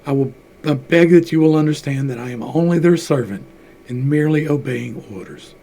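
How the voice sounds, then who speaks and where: A man's voice: fairly high pitch, brisk, warm tone. A man reading aloud voices a stiff company messenger with a formal, apologetic delivery.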